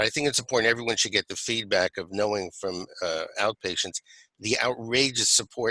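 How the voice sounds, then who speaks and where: A man with a New Jersey accent and a bright, sharp tone speaks at a fairly low pitch and a moderate pace, in a dry, close sound with no echo. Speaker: physician. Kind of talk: webinar comment.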